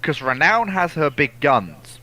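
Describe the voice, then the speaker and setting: A man's voice: fairly high pitch, very animated, unhurried, bright, forceful tone. A man co-hosting a casual history discussion, reading out and answering viewer questions, often repeating words and restarting phrases.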